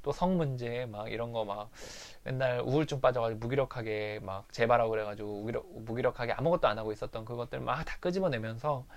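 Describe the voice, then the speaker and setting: A man's voice: medium pitch, fast, few pauses. A man candidly recounting a fight with his wife in a personal recovery diary monologue. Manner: candid, confessional storytelling.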